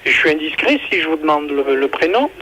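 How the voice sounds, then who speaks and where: A male clerk talks over a landline phone. His voice is rather high and sharp-edged. He is earnest and halting, often restarting as he searches for words. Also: sing-song, low-quality recording. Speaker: town hall civil registry clerk. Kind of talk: phone conversation.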